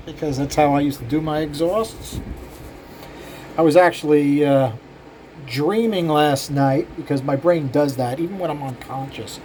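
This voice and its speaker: A man's voice: on the high side, dark tone, a little hiss or hum, rough recording. An older man, a cylinder head porter, casually talking shop to his viewers in a rambling, self-deprecating way with many fillers. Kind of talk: casual shop talk to camera.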